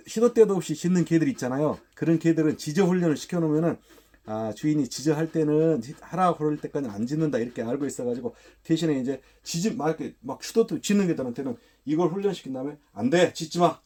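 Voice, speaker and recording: Husky-voiced man giving firm dog commands. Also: fairly high pitch. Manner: short firm commands mixed with calm explanation. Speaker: dog trainer. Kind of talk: hands-on training demonstration. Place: indoors, a room.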